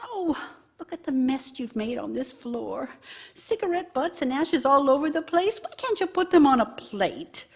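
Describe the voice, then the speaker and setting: Actress as a high-voiced, bitter nagging wife. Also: female voice, big pitch swings, moderate pace, a little mellow. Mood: nagging, disgusted. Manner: scornful, sarcastic, complaining. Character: bitter, nagging, aggrieved working wife scolding her idle husband. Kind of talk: stage-style radio drama monologue.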